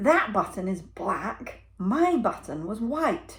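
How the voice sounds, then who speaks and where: A put-on character voice, female-sounding, fairly high-pitched, with very wide pitch swings and a very slow pace. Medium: read story. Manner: fretful, complaining.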